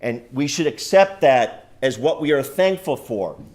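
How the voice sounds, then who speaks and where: New guy with a big loud voice, giving a rally-style keynote in a university lecture room, no mic, upbeat and fired up. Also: mid-range voice, lively intonation, unhurried. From New York. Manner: fervent, optimistic rally speaking. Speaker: keynote speaker. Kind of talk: political speech. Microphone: unamplified voice picked up from the room.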